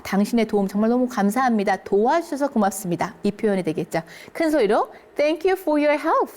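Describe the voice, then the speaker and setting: A woman teaching English phrases to older learners, speaking them slowly and clearly and checking in often with her listeners. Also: fairly high pitch. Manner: lively, encouraging, keeps checking in with listeners. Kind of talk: English lesson for seniors.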